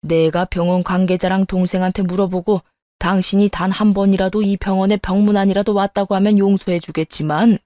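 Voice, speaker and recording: A woman's voice: medium pitch, warm tone, dry recording, close to an everyday voice. A woman voicing a stern older father-in-law who scolds harshly, in a dry close recording.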